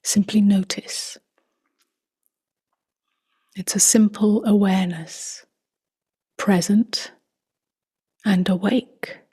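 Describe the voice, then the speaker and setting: A woman speaking softly and gently in a near-whisper as she guides a meditation, unhurried, with long pauses. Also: medium pitch, steady tone. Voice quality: soft, breathy, near-whispered. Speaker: meditation teacher.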